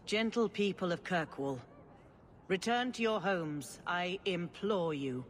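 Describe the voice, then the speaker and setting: An actress playing a gentle, chiding elderly religious leader in a video game, measured and soothing. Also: female voice, fairly low pitch, animated. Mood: firm, weary. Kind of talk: dramatic video game acting.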